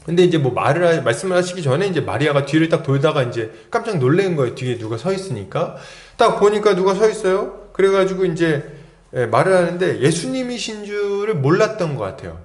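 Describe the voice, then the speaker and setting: Story-telling pastor in an echoey hall. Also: male voice, on the high side, very animated, fairly quick. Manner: storytelling, acting out quoted lines, asks the congregation questions. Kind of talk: expository sermon.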